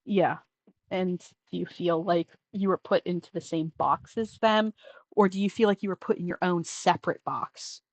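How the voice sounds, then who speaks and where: A trans man hosting a casual call-in show, talking in a rambling way with many restarts and trailing off quietly. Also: sits high, moderate pace, no echo, poor audio. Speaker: podcast host taking call-ins. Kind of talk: casual conversational chat.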